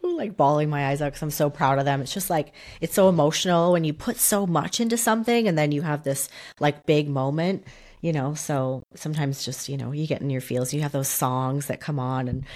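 A woman in her thirties co-hosting a casual podcast, a bit nasal and raspy from a cold, chatty with lots of fillers. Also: deep voice, fairly quick, darkish tone. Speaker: podcast co-host. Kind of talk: casual chat.

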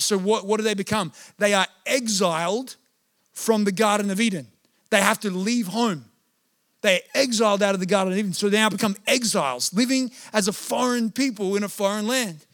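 A man preaching a sermon as pastor, animated and playful, acting out short quoted voices. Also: high voice, brisk.

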